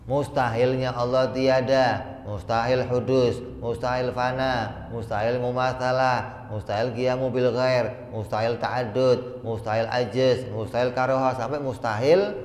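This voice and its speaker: A man teaches a religious study class at an unhurried pace, peppering his listeners with rhetorical questions. His voice rings out with a long reverb in a large hall, and faint noise sits behind it. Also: mid-range voice. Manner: chants lists of terms in a steady cadence. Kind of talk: Islamic study lecture.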